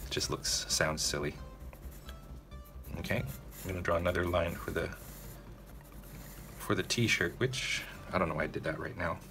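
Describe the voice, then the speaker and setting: A man's voice: low-pitched, steady tone, normal speed, pauses often, over music. A man hosting a narrated drawing tutorial, talking casually to viewers and checking in with them often. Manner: casual, addresses viewers directly, frequent "okay?" check-ins.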